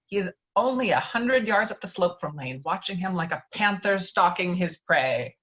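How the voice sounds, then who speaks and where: A woman's voice: on the low side, animated, normal speed, fairly bright tone, highs cut off. Woman narrating screenplay stage directions.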